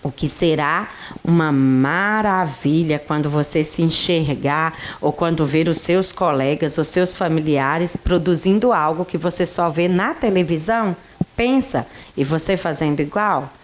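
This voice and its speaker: A woman teacher from Brazil giving a recorded lesson to children, talking to her pupils directly in a lively way. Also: sits low, measured pace, a little hiss or hum.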